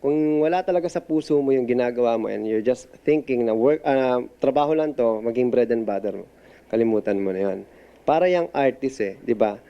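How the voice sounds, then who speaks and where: A man's voice: medium pitch, fairly quick, clean tone, lo-fi sound. A Filipino-accented man, a voice talent, talking informally in an interview. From Philippines. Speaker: voice talent and company owner.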